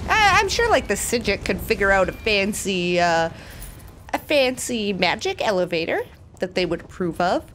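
A woman's voice: mid-range voice, very animated, normal speed, a bit bright, slight background noise. A woman hosting a let's play, giving bubbly, chatty gameplay commentary full of exclamations. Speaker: video game let's play host.

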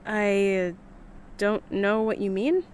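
A woman's voice: medium pitch, slow, a little mellow, clear, resonant tone, lightly acted. A woman playing an earnest, cheerful young team leader in a sci-fi audio drama, eager and a little defensive. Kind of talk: audio drama dialogue, naturalistic.

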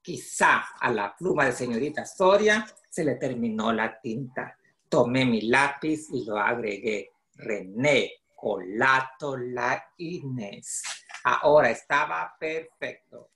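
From a small home office, a middle-aged children's author from El Salvador presents a picture book on a video call, explaining it and reading it aloud in a Salvadoran Spanish accent. His mid-range voice is expressive, pushed and bright, and he speaks at a measured pace. The computer microphone gives the audio a roomy echo.

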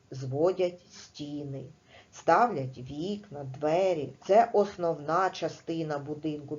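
A woman teaching a primary school class in a recorded video lesson, explaining slowly and clearly with patience. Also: on the low side, a little mellow, lo-fi sound.

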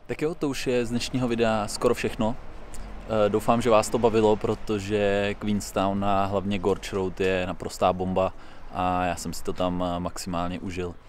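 A young man speaking casually to a camera held at arm's length outdoors, upbeat and relaxed, with frequent hesitation sounds. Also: on the low side, a little hiss or hum. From Czech Republic. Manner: relaxed, upbeat, many "eh" fillers. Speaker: pro mountain biker vlogger. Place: outdoor dirt jump park. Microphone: action camera at arm's length.

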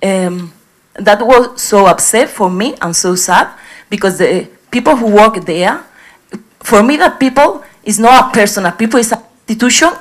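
A woman's voice: medium pitch, lively intonation. A woman from southern Spain with a Spanish accent speaks from the floor of a lecture hall. Her English halts, full of fillers and restarts, heard through a handheld mic. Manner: halting non-native English, many fillers and restarts. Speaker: audience member. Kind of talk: question from the floor.

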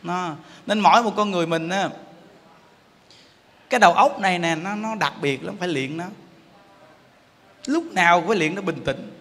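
A man preaching a Buddhist sermon in a Southern Vietnamese accent. He speaks emphatically and playfully and keeps putting questions to the audience. His voice sits high and sounds bright, with a long reverb from a big hall. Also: moderate pace, pauses often. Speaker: Buddhist teacher.

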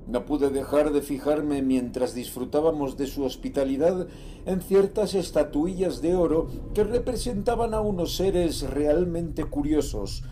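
A man's voice: fairly high pitch, mellow, lightly acted. An actor playing a greedy, restless sea captain reading out his diary in a horror audio drama.

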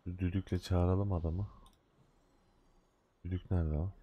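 A man's voice: sits low, little pitch movement, normal speed, dark tone, breathy edge. A man casually commenting on his own game as he plays, chatting loosely and scolding the game in mock annoyance. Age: adult with a day job. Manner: loose slangy banter. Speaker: gaming video host. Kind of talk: casual let's-play commentary.

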